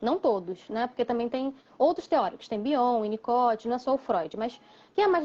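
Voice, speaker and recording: This woman has a high pitch and a dark, mellow tone. She talks at a moderate pace. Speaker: psychoanalyst and teacher. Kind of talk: online lecture. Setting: live stream.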